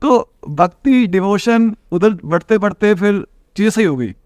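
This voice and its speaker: High, smooth-voiced earnest man from Bihar. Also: lively intonation, measured pace, darkish tone, dry recording, clean studio sound. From Bihar, India. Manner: earnest, advice-giving, calls the host brother. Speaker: trader and IIT coaching teacher, podcast guest. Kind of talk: casual interview talk.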